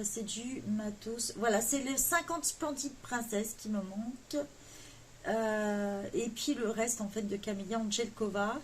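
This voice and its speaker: Slight background noise sits under this woman's higher-pitched voice. A coloring vlogger, she rambles casually through her wish list with many hesitant fillers, cracking jokes about her English accent.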